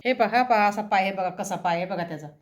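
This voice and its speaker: A middle-aged woman with a Marathi accent, a vlogger who calls to her pets in a high sing-song voice and chats about them in a casual way. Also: fast talker, roomy sound. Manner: coaxing pets in a high sing-song voice, then telling a story in a low voice. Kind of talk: casual chat.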